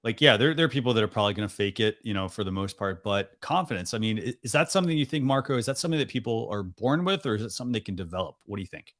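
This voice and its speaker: A man's voice: fairly low pitch, animated, very fast, few pauses, a bit bright. A young adult man hosting a live stream over a video call, chatting loosely with lots of "like" and "you know". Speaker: host. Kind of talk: casual live stream chat.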